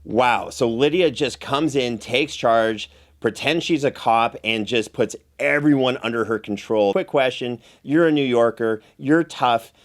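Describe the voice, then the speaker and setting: A man's voice: mid-range voice, unhurried, hardly any pauses. A man hosting a chatty recap show in an enthusiastic, effusive way. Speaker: podcast host and producer.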